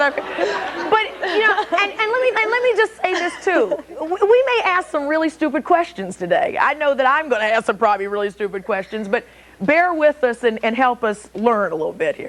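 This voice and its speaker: Over noticeable background noise, a woman with a high voice talks at a fairly quick pace, her pitch swinging very widely. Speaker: talk show host. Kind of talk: talk show hosting. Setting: TV studio.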